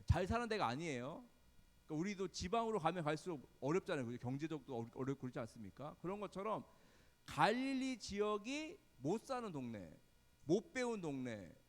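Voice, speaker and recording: Lively Korean pastor in echoing hall. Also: male voice, on the high side. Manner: lively, quizzes the congregation with questions. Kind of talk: Bible study lecture.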